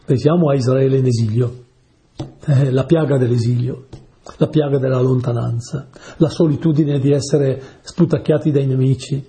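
Dark-voiced man preaching on a psalm. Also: medium pitch, steady tone. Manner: reads verses slowly and emphatically, then explains them in a chatty way. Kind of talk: Bible commentary talk.

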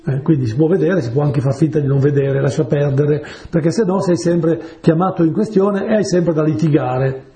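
A man's voice: a little high, moderate pace, hardly any pauses, dark tone, echoey room. A man preaching a sermon in a chatty way, telling stories and often asking his listeners whether they follow. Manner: chatty, asks the audience "capite?".

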